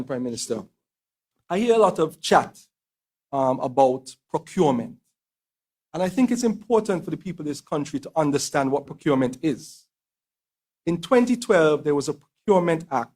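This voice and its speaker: A man with a Caribbean accent explaining policy in a measured, deliberate way at a government briefing. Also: fairly high pitch, animated, a little mellow. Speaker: attorney general.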